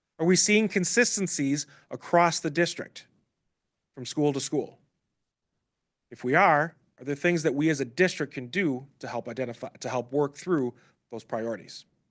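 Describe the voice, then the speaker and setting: The speech carries lively intonation and big swings in loudness, broken by long, frequent pauses. The background is quiet. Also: man, fairly high pitch for a man. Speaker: education trainer presenting to school board. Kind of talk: presentation. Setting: boardroom meeting. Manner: fast.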